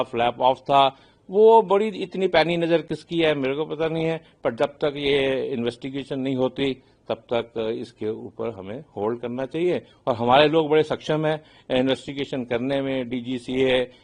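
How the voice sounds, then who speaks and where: An older man with an Indian accent giving expert interview commentary in a halting, measured way, mixing in English phrases. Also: mid-range voice. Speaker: aviation expert guest. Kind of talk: spoken interview commentary, explaining.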